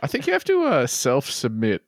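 A man with an animated, mid-pitched voice cohosts a comedy podcast. He reads letters aloud and breaks into wry jokes and laughter. The sound is dry and close to the mic. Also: moderate pace, no room sound. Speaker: podcast co-host. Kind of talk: casual comedy chat, reading listener mail.

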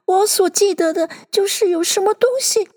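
A woman's voice: very high voice, fairly even intonation, normal speed, a little mellow, voice pushed up. A woman putting on a quavering little lizard. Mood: shaken. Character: shaken little male lizard, trembling. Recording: long hall reverb.

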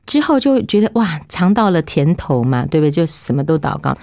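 A middle-aged woman telling her testimony in an interview, animated and acting out what people said. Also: low-pitched, brisk, dry recording, clean studio sound. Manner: lively, acts out quoted speech. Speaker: interview guest giving testimony. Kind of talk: animated storytelling.

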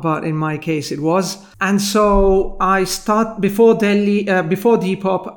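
A middle-aged man with an Italian accent talks through his story as an interview guest. His voice sits a little high, and his delivery is measured and reflective. He pauses often and uses filler sounds along the way. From Italy.

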